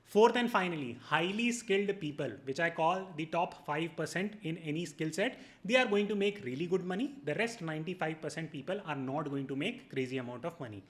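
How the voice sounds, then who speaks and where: A man with a North Indian accent speaks in a high register at a rapid clip. He explains things to viewers point by point, like an educator, stressing his key words in a didactic manner. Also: expressive. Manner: didactic, emphatic, mixes in Hindi phrases. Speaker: video host and educator.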